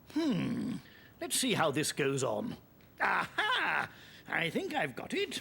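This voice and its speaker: With a cartoonish character voice at an extremely high pitch, a man speaks at a fairly slow pace with long, frequent pauses and clear background noise. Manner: gruff, blustering.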